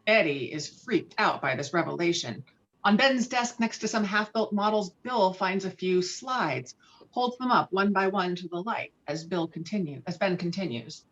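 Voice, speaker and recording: A woman's voice: mid-range voice, lively intonation, moderate pace, fairly bright tone. A woman reading screenplay stage directions as narrator at an online table read. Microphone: video call. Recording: dull lo-fi online call audio.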